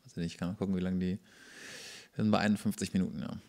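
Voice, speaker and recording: A man's voice: sits low, fairly even intonation, very fast, vocal fry, a little mellow. A young man chatting casually as a podcast co-host, commenting on a show with joking, sarcastic remarks. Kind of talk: casual chat and commentary while watching a show.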